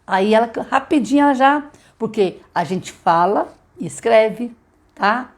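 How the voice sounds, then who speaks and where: A woman's voice: fairly high pitch, lively intonation, measured pace. Woman teacher, middle-aged, live-stream lesson with sound demonstrations and frequent check-ins. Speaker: literacy teacher.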